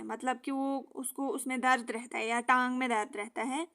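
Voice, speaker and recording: A young woman explaining a lesson for exam students in casual Hindi with English terms, often checking in with a quick "okay". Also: sits high, a bit bright. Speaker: exam-prep teacher.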